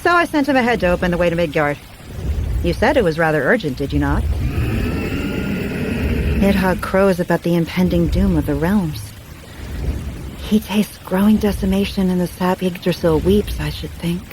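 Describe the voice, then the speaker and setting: A woman's voice: fairly low pitch, animated, moderate pace, pauses often, noisy background, lightly acted. Woman playing a wry, world-weary underworld dweller. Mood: sardonic. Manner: sardonic, understated. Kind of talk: scripted audio drama acting.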